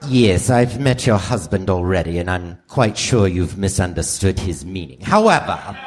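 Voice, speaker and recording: A man's voice: sits low, expressive, darkish tone. A man playing a pompous elderly English queen. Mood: imperious. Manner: pompous, measured, condescending. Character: regal, haughty elderly English queen, drily disapproving. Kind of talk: live comedic radio play. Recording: noisy live theater stage recording.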